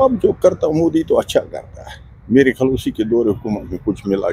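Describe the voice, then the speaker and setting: A man's voice against noticeable background noise. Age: 80s+. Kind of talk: interview answer.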